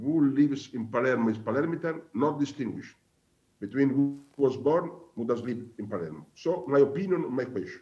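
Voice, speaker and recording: A man's dark, mellow voice at a fairly high pitch, with ordinary pitch variation. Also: quiet background. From Sicily, Italy. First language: Italian (speaking Hindi). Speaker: city mayor. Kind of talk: question to panel. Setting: video call. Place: office. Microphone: video call.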